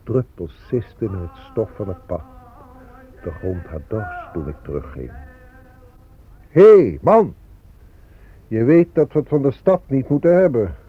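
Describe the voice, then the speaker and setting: An actor playing a proud, homesick Native American man in a radio play, with a husky voice. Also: fairly low pitch, sing-song, measured pace, pauses often, heavily acted. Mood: restless, defiant. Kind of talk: radio play dialogue and poetic monologue. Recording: muffled, roomy radio play recording.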